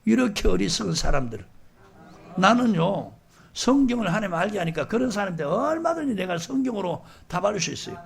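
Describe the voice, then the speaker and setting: Man, middle-aged, pastor, sermon, high-pitched, very gravelly, loud emphatic preaching. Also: sing-song, fairly quick. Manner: preaching with rising, shouted emphasis and questions to the congregation.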